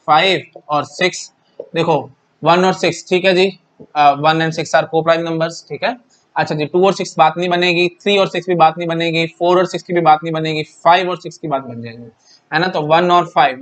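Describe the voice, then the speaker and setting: Indian male tutor, young adult, conversational whiteboard lecture, slightly high-pitched, keeps checking in with "okay". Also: fairly bright tone. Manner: chatty, repeats "thik hai" and "ji", asks and answers his own questions. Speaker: exam-prep lecturer. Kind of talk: Hindi-English mixed whiteboard lecture.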